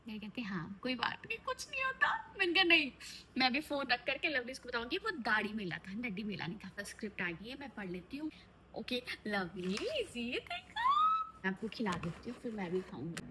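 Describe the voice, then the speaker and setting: A young woman, a vlogger and actor, chats casually to camera, warmly calling her viewers "lovelies" as she takes them through her day, from home to a film set dressing room on the way to a shoot. Her sharp, slightly high voice has big pitch swings and a slightly fast pace, with a little hiss or hum in the background.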